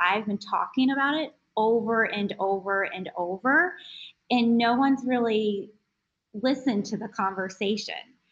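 A woman with a normal speaking voice talks at a fairly slow pace in a fairly high pitch, with ordinary pitch variation. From Virginia. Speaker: education student, union activist. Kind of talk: interview.

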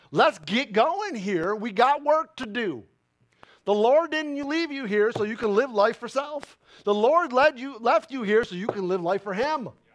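A loud man's voice at an extremely high pitch, fairly slow, animated in tone, with very wide pitch swings. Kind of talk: sermon. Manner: loud, animated.

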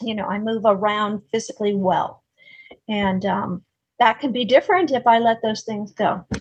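The delivery is moderate in pace, somewhat breathy, and shows ordinary pitch variation. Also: woman, fairly high pitch for a woman. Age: 60s. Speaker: dance and healing movement instructor. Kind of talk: casual chat.

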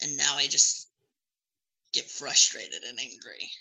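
A man speaks at a moderate pace. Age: 20s. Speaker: college student guest. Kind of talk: casual interview.

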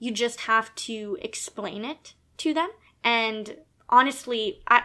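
A woman speaks at a fairly high pitch with a bright, sharp tone on a very clean recording with a silent background. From Quebec, Canada. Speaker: law student podcast co-host. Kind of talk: casual chat.

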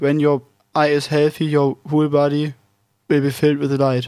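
A man with a German accent and a fairly high pitch, monotone and flat in intonation, at a moderate pace. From Germany. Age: young. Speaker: volunteer radio host. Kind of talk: casual chat.

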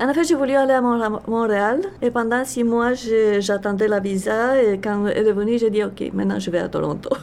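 A woman in a Romanian accent, hardly any pauses, ordinary pitch variation, noticeable background noise. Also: fairly high pitch for a woman, moderate pace. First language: Romanian (speaking French). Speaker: professional coach. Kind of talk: interview. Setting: studio.

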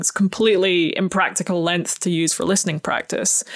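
The speaker talks with a Scottish accent and fairly even intonation. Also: woman. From Scotland. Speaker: travel journalist and singer-songwriter. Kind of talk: interview. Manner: hesitant, many fillers.

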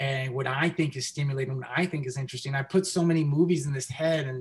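Somewhat breathy, the voice comes through. It moves along fairly quickly. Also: man. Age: 30s. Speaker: screenwriter and filmmaker. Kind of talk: casual interview chat. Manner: fast talker, animated.

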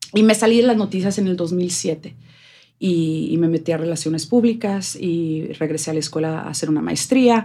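A woman's dark, mellow voice, fairly low in pitch, with ordinary pitch variation. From El Paso–Ciudad Juárez border. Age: 40s. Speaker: television journalist. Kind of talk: casual interview. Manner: fast, stumbles when speeding up.

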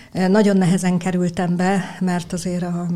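A woman talks at a moderate pace in a dark, mellow tone that is somewhat breathy. Her intonation stays monotone and flat. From Hungary, Szolnok. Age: 50s. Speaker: entrepreneur and costume business owner. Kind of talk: interview. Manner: hesitant with filler sounds.

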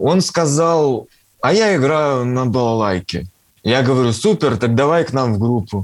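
Using a plain, everyday voice, a man talks at a fairly slow pace with medium pitch, lively intonation and very even loudness. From Russia, Yekaterinburg. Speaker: musician and food courier. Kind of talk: interview storytelling.

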